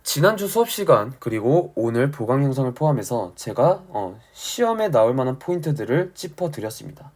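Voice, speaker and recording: A man teaching an exam-prep class, his voice husky and a little worn by a sore throat. His pitch rises and falls in a lively way as he drives points home. He explains step by step like a schoolteacher, often checking that listeners are following. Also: a little fast, few pauses. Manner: didactic, emphatic, often checks understanding. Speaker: Korean language and literature teacher.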